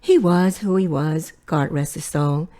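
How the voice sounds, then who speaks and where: A woman's voice: deep voice, measured pace, warm tone. A woman playing a middle-aged, loving but pushy Latina mother in an audio drama, fussing and probing. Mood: grave, reflective.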